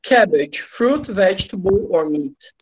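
A man's voice: high voice, takes it slowly, slight background noise. A Brazilian man teaching English online, calling on students and joking with the class. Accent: Brazilian Portuguese. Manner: joking, relaxed classroom banter. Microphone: computer mic on a video call.

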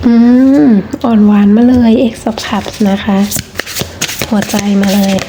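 A woman's voice: a little high, steady tone, slow, noisy background. A woman reading tarot cards in a chatty, casual monologue, emphatic and repeating herself with many fillers. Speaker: tarot card reader.

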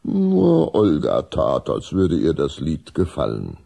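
A man as a measured storybook narrator in a children's audio drama, reading a scripted story. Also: extremely low pitch, huge pitch swings, gravelly, mellow, husky, full character voice. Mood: narrating.

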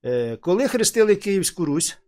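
A man's voice: high-pitched, big pitch swings, moderate pace, dark tone. A man from western Ukraine with a western Ukrainian accent, asking pointed, persistent questions in a street debate about faith. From Ivano-Frankivsk, western Ukraine. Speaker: street evangelist, channel host.

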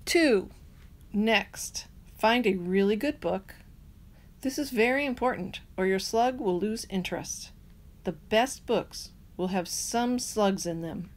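A woman teacher reads a children's picture book aloud at an unhurried pace. Her pitch sits in the middle, and her delivery is clear and patient. The rhymes come out in a gentle sing-song.

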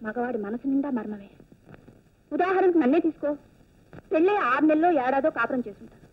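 An actress playing a talkative, chiding middle-aged aunt in a film drama. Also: female voice, high-pitched. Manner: chiding, talkative, matter-of-fact. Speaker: aunt of the heroine. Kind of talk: 1980s Telugu film dialogue. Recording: dull lo-fi film soundtrack.

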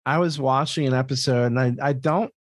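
A man speaks at a middling pitch in a dry, close podcast recording. He chats casually and comically as a co-host. His storytelling is animated and peppered with swearing. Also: fairly quick, dry recording. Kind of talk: casual comedic chat.

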